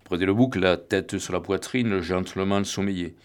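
A man with a fairly low voice reads a crime novel aloud, telling the story in a steady, even way. It is a plain audiobook narration. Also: moderate pace.

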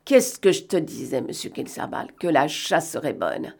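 Woman voicing a sly gentleman thief for an audiobook: bantering, sardonic, quick commands, pitch sitting a bit low. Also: wildly swooping pitch, vocal fry, slightly rough, heavily acted. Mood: commanding. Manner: bantering, sardonic, brisk orders. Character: cunning gentleman thief, man, mocking and commanding. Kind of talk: audiobook reading.

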